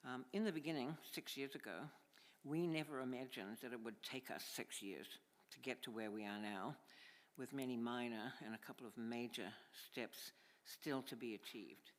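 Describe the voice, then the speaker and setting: A man with a New Zealand accent reading a prepared submission to a council hearing, firm and pointed, at a desk microphone in a large chamber. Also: medium pitch. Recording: long reverb of a council chamber.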